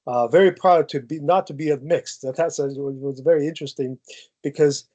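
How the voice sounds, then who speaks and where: A man's voice: a little high, moderate pace, warm tone, lo-fi sound. A man answering audience questions over a video call, thoughtful and full of hesitant restarts. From Ukraine. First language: Ukrainian. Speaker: guest speaker, geneticist.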